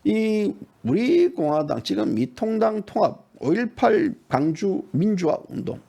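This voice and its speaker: A middle-aged man with a gravelly voice delivers heated, mocking partisan political commentary, very animated though a little slow. He drops into low mutters, then leaps to sudden high shouts.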